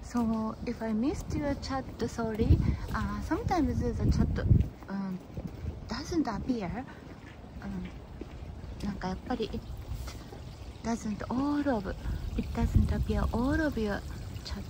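Japanese woman, live-stream walk host, slow, slightly high voice, English and Japanese mixed, loud wind noise outdoors. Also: lively intonation. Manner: mixes English and Japanese, reads viewer chat. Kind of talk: casual live-stream chat. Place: city streets outdoors, windy.

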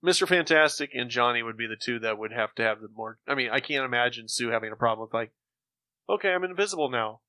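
Guy chatting on a podcast, measured, bright middle-pitched voice, dry sound. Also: animated, dry recording. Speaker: podcast co-host. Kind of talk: casual chat, giving opinions.

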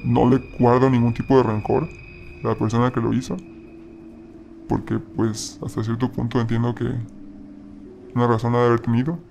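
A man recounts a personal story in a gravelly, flat voice. He speaks haltingly and keeps breaking off to restart his sentences. Faint noise sits under the voice. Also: medium pitch, muffled recording. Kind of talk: personal story told casually.

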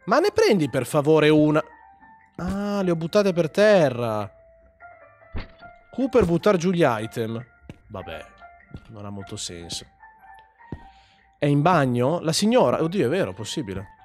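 A man giving joking, swearing commentary over a horror game, yelling when startled. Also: a little high, sing-song, unhurried, pauses often, soft background music. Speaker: gaming host. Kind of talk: horror let's play commentary.

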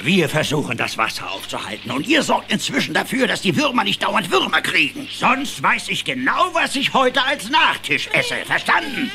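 An actor playing a bossy, threatening cartoon lion, commanding and theatrical. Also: male voice, high voice, very animated, moderate pace, few pauses, noisy background. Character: bossy, threatening male lion in charge of the ship. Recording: loud music underneath.

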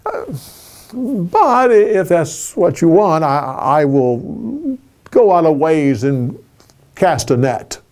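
A man's voice: fairly high pitch, sing-song, slow pace, a little mellow, pitched above the performer's own voice. An older man doing an earnest, humble fisherman Peter. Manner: raised, earnest and pleading.

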